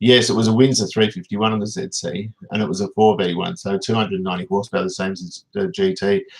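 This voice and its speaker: This man talks at a very fast pace with an Australian accent. His pitch sits fairly low and varies in an ordinary way. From Australia, Melbourne eastern suburbs. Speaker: car restorer and teacher. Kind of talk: casual chat. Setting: livestream.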